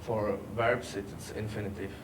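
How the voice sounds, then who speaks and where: A man giving a technical workshop presentation, halting with many fillers. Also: on the low side, flat delivery. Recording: distant mic, background noise.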